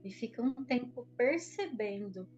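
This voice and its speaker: A woman with a Brazilian accent leading a guided meditation as an instructor, giving gentle step-by-step instructions with long pauses. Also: on the high side, lively intonation, lo-fi sound. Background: music.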